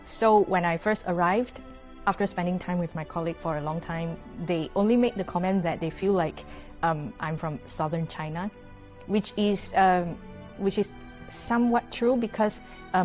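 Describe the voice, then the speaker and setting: A young woman from Malaysia, answering interview questions as a guest orchestra musician in a relaxed way, with many fillers and restarts. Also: lowish voice, moderate pace, faint music behind. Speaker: orchestra horn player, guest.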